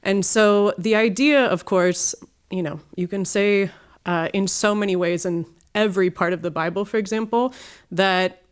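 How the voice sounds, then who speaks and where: A woman from Los Angeles, a community organizer, speaking as an interview guest in a studio, warm and engaged, often checking in with "right?". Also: mid-range voice, steady tone, moderate pace, smooth. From Los Angeles, United States. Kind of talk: conversational interview.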